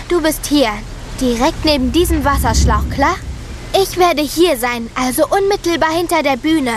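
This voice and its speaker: A high, bright-voiced little girl who schemes and gives orders in a cartoon dub, voiced by a woman. She talks bossily and conspiratorially, pushing her plan. Her tone stays insistent. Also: slight background noise, close to an everyday voice. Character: scheming excitable young girl, little sister. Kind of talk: cartoon dubbing.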